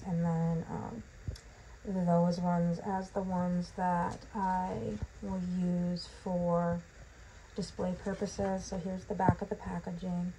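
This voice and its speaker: This vlogger has a fairly low, dark voice, heard over a little hiss or hum in poor audio. She casually narrates a home unboxing in the bathroom, rambling and filling gaps with ums while her voice recovers from having been lost.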